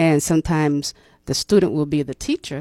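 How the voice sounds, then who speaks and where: A dark, mellow tone at a moderate pace with ordinary pitch variation, dry and close with no echo. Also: woman. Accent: American. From Boston, Massachusetts. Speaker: etiquette consultant. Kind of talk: interview. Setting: studio.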